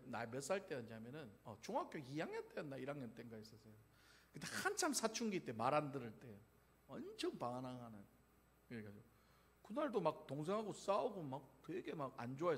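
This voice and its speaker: A middle-aged man, a pastor, preaching a sermon and telling a family story, acting out quoted lines with shouts and laughs. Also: mid-range voice, gravelly, slight background noise. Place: church sanctuary. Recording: long church hall reverb.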